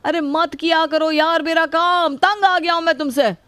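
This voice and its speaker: Woman voicing a irritated young husband, fairly high voice, bouncy delivery, dry sound. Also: a little fast, dry recording, faint music behind, natural voice. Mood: angry. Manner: shouting, irritated. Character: hot-tempered young husband, office worker.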